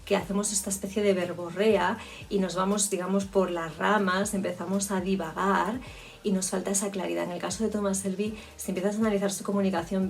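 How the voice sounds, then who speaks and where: Creaky-voiced woman coaching speech. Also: mid-range voice, a little mellow, far from the mic. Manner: reflective, explanatory, with frequent restarts. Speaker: public speaking coach. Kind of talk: spoken lesson on communication.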